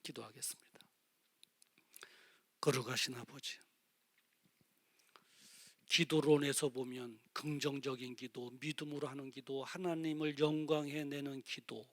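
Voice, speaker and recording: A male pastor preaching a sermon, swinging from loud impassioned exclaiming to hushed near-whispers and asking the congregation direct questions. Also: mid-range voice, flat delivery, measured pace.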